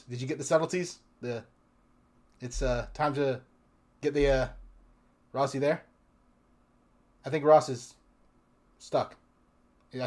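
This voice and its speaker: A man's voice: mid-range voice, a little mellow. A man hosting a live online panel in a loose, chatty way, often restarting his sentences. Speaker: livestream host.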